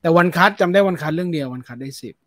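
A man's voice: fairly high pitch, fairly quick, a bit bright, no echo, studio quality. A man co-hosting a casual film review chat, answering in short, laid-back replies.

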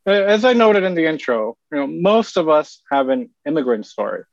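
A man from South Korea hosts a podcast with measured, polished delivery. His voice sits dry and close to the mic. The sound is a touch dull and lo-fi. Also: on the high side, very animated, gravelly, no echo. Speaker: podcast host. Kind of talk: scripted podcast intro and chat. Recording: slightly dull lo-fi audio.

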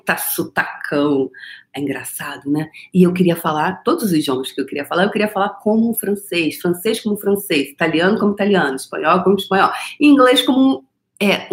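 Animated Brazilian woman coach. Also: fairly low pitch. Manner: animated, rhetorical, voices imagined objections. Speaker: energy-work coach. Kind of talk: casual monologue to followers.

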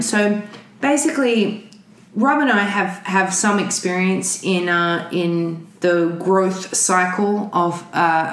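A woman co-hosting a casual podcast, talking in animated bursts, swearing freely and often restarting her sentences. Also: fairly low pitch. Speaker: podcast co-host. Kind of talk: casual chat. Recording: roomy echo.

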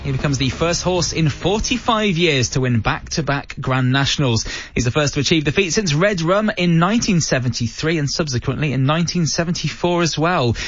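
A man's voice: on the high side, lively intonation, fairly quick, slightly rough, dull audio. A British man presenting live sport on the radio from a studio, with an emphatic broadcast delivery. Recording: music behind the voice. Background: music.

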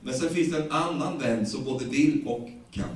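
A man with a Swedish accent preaching a sermon, retelling the story in lively everyday speech with many repeated words. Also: mid-range voice. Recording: echoey, distant room sound.

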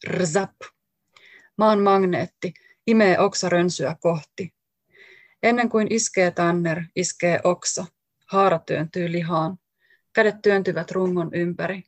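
Gravelly low-voiced woman author. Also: no room sound. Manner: slow, deliberate recitation of short lines. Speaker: author reading her own work. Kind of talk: poetry reading.

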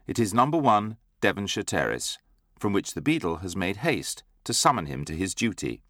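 A man reading an audiobook as measured, scripted narration. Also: deep voice, very animated, fairly bright tone, dry recording, studio quality.

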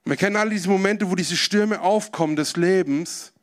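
High-voiced male preacher telling a story. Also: a little fast. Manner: vivid, addresses listeners directly. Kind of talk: storytelling sermon.

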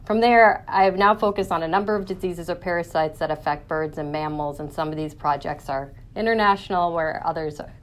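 A woman's voice: fairly low pitch, fairly quick, hardly any pauses. A woman, an academic guest explaining her research in an interview.

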